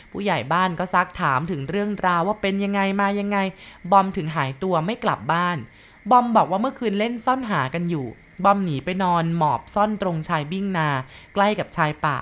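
Woman telling a spooky story, lowish voice, polite chatty tone. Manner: polite and conversational, with soft sentence endings. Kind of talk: ghost story narration.

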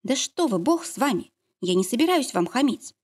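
Woman voicing a croaky, drowsy sick mum, soft-spoken, storybook role. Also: a little high, sing-song, moderate pace, voice pushed up. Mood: calm, puzzled. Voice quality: hoarse, sleepy. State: ill, just woken. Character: sick, sleepy, gentle mother, adult woman.

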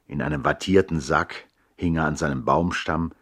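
Deep measured storyteller, the baron's thoughtful brother, articulate n a bit ironic, 60s radio play. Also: male voice, fairly even intonation, fairly bright tone, slightly rough, exaggerated voice. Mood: reflective. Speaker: narrator. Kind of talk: literary narration in a 1960s German radio play.

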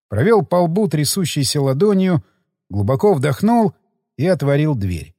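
A man reading an audiobook in a dramatic, expressive scripted narration. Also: fairly high pitch, no echo, clean studio sound.

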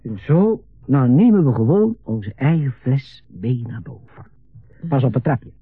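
A man's voice: mid-range voice, animated, a little slow, breathy edge, no room sound. A man acting in a radio drama, playing a chatty, eager middle-aged father proudly showing off his home. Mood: jovial, eager. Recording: muffled radio play recording, faint music.

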